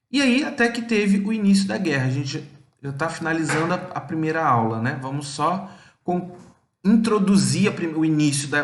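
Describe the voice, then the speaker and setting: A man's voice: sits high, fairly bright tone, reverberant. A male history teacher with a Brazilian Portuguese accent, explaining a lesson and asking himself questions, with many restarts and fillers. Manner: explanatory, poses and answers his own questions. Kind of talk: recorded classroom lesson.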